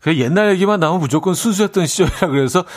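A man's voice: high-pitched, animated, racing. A man hosting a radio show, chatting casually and jokingly while reading listener messages into a studio microphone. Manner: easygoing, jokey, reads listener messages.

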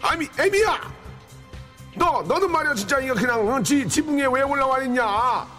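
A man's voice: very high voice, lively intonation, sharp tone, faint music behind, pitched above the performer's own voice, heavily acted. A man putting on a nagging old mother-in-law. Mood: scolding. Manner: stuttering, drawn-out scolding calls. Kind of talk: radio comedy bit.

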